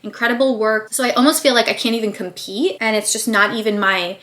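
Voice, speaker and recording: A woman's voice: a little high, fairly even intonation, brisk, fairly bright tone. Chatty young woman, slightly breathless. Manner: chatty, upbeat, rambling with frequent "like" and "I don't know". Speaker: beauty vlogger. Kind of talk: casual chat while doing a manicure. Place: dining room at home.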